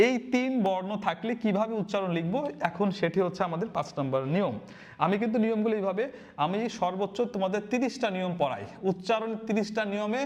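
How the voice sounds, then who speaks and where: A man teaching a lesson to students, repeating questions to them in an energetic way. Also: high voice. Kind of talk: classroom lesson video.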